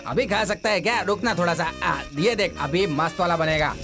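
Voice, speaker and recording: A brazen village uncle in a comedy film, with a high voice. He brags, wheedles and makes excuses in loose colloquial talk. Music sits faintly underneath. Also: a little fast. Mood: cocky, bossy. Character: cocky, boastful, scheming maternal uncle, brazen excuse-maker. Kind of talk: comic film dialogue.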